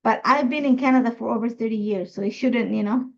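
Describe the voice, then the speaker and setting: A woman's voice: a little high, quick pace, vocal fry, muffled recording. A middle-aged woman from Ecuador, chatty and thinking aloud as she hosts a live scrapbooking tutorial. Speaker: craft host.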